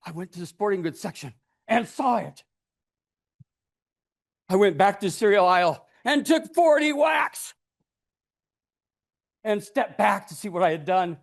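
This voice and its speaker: A man delivers a tall tale as a speech, with a very lively, swooping pitch. His delivery is deliberate and dramatic, built for storytelling, and he slips into acted voices along the way. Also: creaky. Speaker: club storyteller giving a speech.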